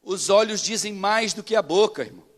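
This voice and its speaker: A man's voice: sits high, brisk. A male pastor with a Brazilian Portuguese accent preaching a sermon, acting out the people in his stories as he goes. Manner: preaching with rising intensity, acting out quoted dialogue.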